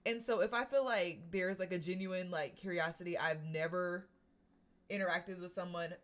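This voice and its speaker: Expressive young woman, lowish voice. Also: normal speed. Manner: expressive, acts out quotes. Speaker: podcast co-host. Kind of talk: casual chat.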